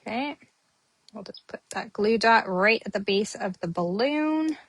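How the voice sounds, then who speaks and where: A woman's voice: medium pitch, animated, a little slow, husky, dry recording. A woman hosting a casual papercrafting tutorial, chatting with many ums as she works on her project. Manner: chatty, many ums, talks while working. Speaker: papercrafting host.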